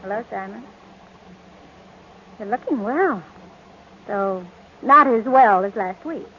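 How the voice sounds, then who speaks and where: A woman's voice: mid-range voice, expressive, slow, husky. An actress playing a bitter, taunting young jilted woman in an old-time radio drama, with a pointed, coolly sardonic delivery. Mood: mock-sweet. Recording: dull old radio recording.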